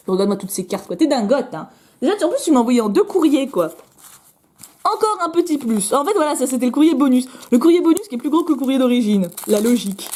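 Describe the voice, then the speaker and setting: A young woman chatting excitedly as she opens fan mail at home, with many fillers. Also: on the high side. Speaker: vlogger opening fan mail. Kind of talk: casual unboxing chat.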